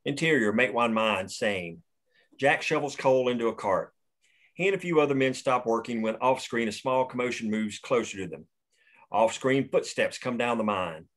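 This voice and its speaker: A man reading the action lines of a screenplay aloud at a table read, steady and plain. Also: medium pitch, moderate pace. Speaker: narrator reading stage directions.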